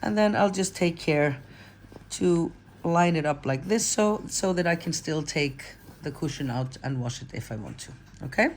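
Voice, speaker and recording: Low-voiced Icelandic woman, chatty crafter. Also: expressive, moderate pace, a little mellow, slight background noise. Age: 40s. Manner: chatty, rambling, self-correcting with fillers. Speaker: crochet pattern designer. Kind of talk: casual how-to tutorial.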